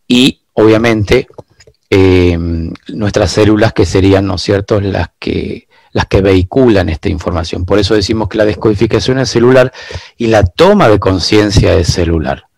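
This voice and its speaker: A man, a guest expert giving long, measured explanations in an interview, full of rhetorical asides. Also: lowish voice, gravelly, darkish tone, no room sound. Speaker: guest expert on biological decoding.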